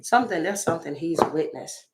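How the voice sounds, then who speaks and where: Slightly raspy woman chatting through tarot. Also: low voice, expressive, fairly quick, noisy background. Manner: chatty, exclaiming, talks to viewers. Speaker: tarot reader. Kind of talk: casual tarot reading to viewers.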